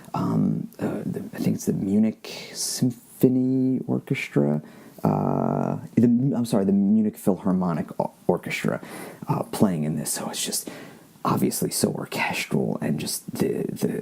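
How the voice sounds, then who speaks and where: Soft-spoken and enthusiastic in tone, a man talks at a fairly slow pace over noticeable background noise. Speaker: podcast host. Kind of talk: casual podcast talk, music commentary. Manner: soft-spoken, enthusiastic.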